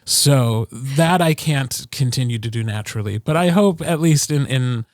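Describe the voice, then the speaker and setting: A man's voice: medium pitch, moderate pace, no room sound, clean studio sound. A man hosting a podcast, chatting casually with a playful, joking manner. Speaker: podcast host.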